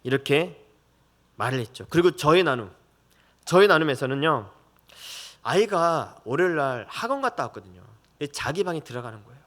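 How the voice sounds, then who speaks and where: A man's voice: a little high, lively intonation, brisk, fairly bright tone. A middle-aged man preaching a conversational sermon as a pastor, telling family stories and acting out voices.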